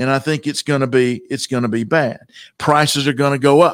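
Speaking in a Southern US accent, a man moves at a fairly quick pace. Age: 50s. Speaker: investment advisor hosting a radio show. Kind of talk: radio talk show monologue. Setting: studio. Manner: animated; loud.

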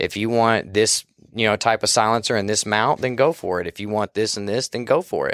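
In a Texan accent, a man talks at a fairly quick pace with a medium pitch and ordinary pitch variation, the sound dry and close with no echo on a very clean recording with a silent background. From Texas, Spring. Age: 40s. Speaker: manufacturing executive, former Marine. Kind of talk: casual chat. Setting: studio.

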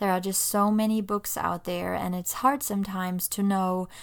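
In a very clean recording with a silent background, a woman speaks with a German accent. Her pitch is medium, her intonation fairly even and her pace moderate. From Germany. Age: 30s. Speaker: podcast host, homeschooling mother. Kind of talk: solo podcast monologue.

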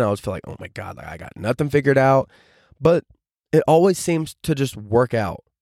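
A man's unremarkable speaking voice at a fairly quick pace with lively intonation, in a dry, close sound with no echo. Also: big swings in loudness. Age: 20s. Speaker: solo podcaster. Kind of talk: casual monologue.

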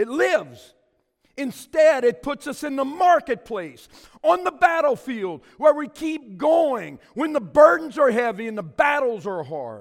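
A man with an American accent at an extremely high pitch, very wide pitch swings and big swings in loudness, talking at a fairly slow pace in a very clean recording with a silent background. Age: 50s. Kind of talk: sermon. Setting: church.

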